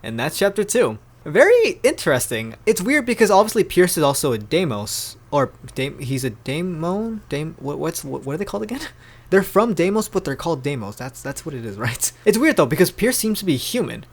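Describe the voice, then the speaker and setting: A young man hosting a fan fiction reading, moving between narration and chatty, animated reactions. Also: on the high side, normal speed. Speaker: video host reading fan fiction aloud. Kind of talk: casual storybook reading with chatty commentary.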